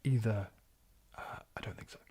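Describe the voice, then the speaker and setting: A young man hosting a casual livestream Q&A, soft-spoken and often slipping into a whisper. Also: normal speed, a little hiss or hum. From New Zealand. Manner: soft-spoken, drifting into whispers, frequent restarts. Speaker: ASMR livestream host.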